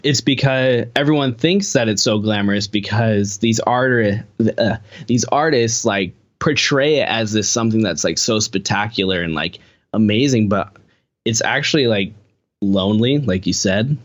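A man's voice: fairly low pitch, moderate pace. A young man talking as a guest musician on a podcast, rambling casually with a lot of "like" in his sentences. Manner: rambling, heavy use of filler "like".

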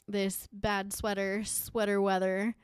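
A woman's voice: mid-range voice, little pitch movement, takes it slowly, smooth, dry recording, clean studio sound. A woman co-hosting a sports podcast in a casual, conversational style. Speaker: podcast co-host. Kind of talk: casual fantasy football podcast chat.

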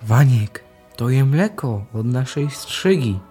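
A man's voice: mid-range voice, animated, slow, mellow, soft background music. A young male performer playing an earnest poor boy from a mining town in a radio play, with a Silesian Polish accent. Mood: solemn, tender.

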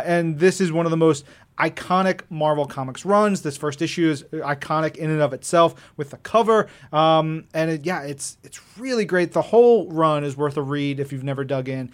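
A man's voice: fairly high pitch, normal speed. A man co-hosting a comics podcast, talking effusively and emphatically with casual slang. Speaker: podcast co-host. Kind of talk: enthusiastic comics chat podcast.

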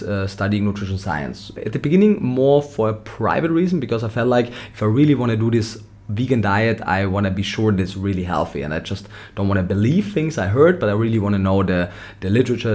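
Man, Austrian German accent, low voice, young adult, thoughtful, halting interview answers. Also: darkish tone. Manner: thoughtful, frequent restarts. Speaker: nutrition scientist guest.

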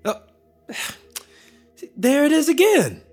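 An actor playing a young enslaved apprentice who is blunt and distrustful. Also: male voice, extremely high pitch, wildly swooping pitch, takes it slowly, soft background music, heavily acted. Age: young adult. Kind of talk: audio drama.

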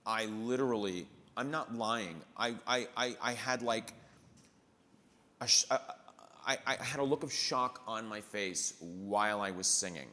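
Guy with a low, bright, forceful voice telling theater stories, acting out quotes, echoey room. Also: a little slow. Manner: lively anecdotes, acts out the people he quotes. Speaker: musical theater performer. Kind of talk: storytelling in a conversation.

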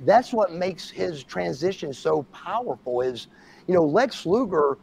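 A man's voice: high-pitched, unhurried, gravelly. A middle-aged man hosting a podcast, telling stories in casual chat and acting out quotes. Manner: animated storyteller, acts out quotes. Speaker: podcast host.

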